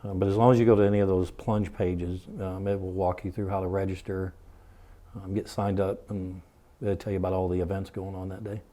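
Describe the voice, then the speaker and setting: A man's voice: sits low, little pitch movement, brisk, dark tone. A man giving casual interview answers in a plain-spoken, matter-of-fact way. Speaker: interview guest, charity plunge participant.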